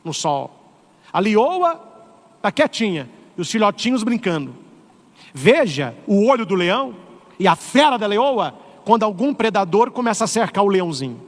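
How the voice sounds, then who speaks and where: A middle-aged man with a Brazilian Portuguese accent, a priest preaching an animated, humorous sermon. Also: high voice, normal speed, big-room sound. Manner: animated, humorous, acts out voices. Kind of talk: lively sermon.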